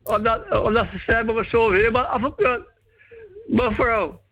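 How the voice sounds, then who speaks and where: Halting high-voiced man calling a radio show. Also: fairly bright tone, dry recording, highs cut off. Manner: halting, repeats words, broken non-native Dutch. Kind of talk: phone-in chat with the host.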